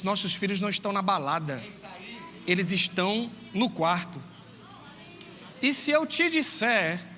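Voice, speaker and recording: A man preaches to his congregation in a high, bright, ringing voice, acting out little scenes of dialogue and calling out to his listeners. His voice carries a long reverb through the church hall. Faint noise sits underneath. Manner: animated storytelling, acting out dialogue, addressing listeners directly. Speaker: pastor and schoolteacher. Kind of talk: sermon to a congregation. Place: church sanctuary.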